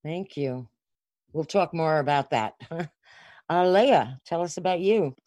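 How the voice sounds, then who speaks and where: A woman's voice: low voice, slow, mellow, no room sound. A woman hosting a podcast, introducing guests with an enthusiastic, welcoming manner. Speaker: podcast host.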